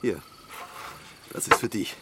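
A man playing an easygoing, assured environmental activist, calm and encouraging as he gives instructions in radio drama dialogue. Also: slow pace, lightly acted. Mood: calm, instructing. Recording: loud outdoor noise with crickets.

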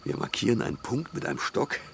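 A man playing an easygoing, assured environmental activist, calm and encouraging as he gives instructions in radio drama dialogue. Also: medium pitch, fast, creaky. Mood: calm, instructing. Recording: loud outdoor noise with crickets.

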